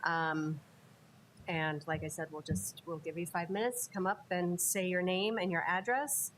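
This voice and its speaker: Relaxed woman chairing a board meeting. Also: on the low side, unhurried, slight background noise, rough recording. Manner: informal, lots of ums.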